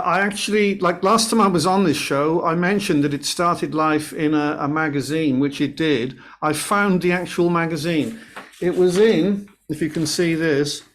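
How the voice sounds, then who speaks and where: Man chatting on a video call. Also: sits high. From Wales. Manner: chatty, storytelling, some restarts. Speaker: guest singer-songwriter. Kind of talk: casual interview chat.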